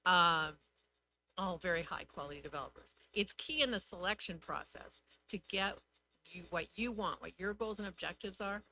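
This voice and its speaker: A woman's voice: on the low side, moderate pace, sharp tone, slight background noise, rough recording. A woman explaining things methodically as an expert adviser at a public meeting. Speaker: housing development consultant.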